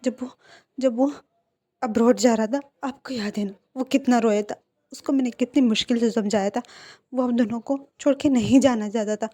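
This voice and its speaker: A woman's voice: on the high side, fairly even intonation, normal speed, mellow, lightly acted. A woman voicing a desperate young man who begs his parents, stammering and repeating himself as she reads a fan fiction story. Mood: pleading.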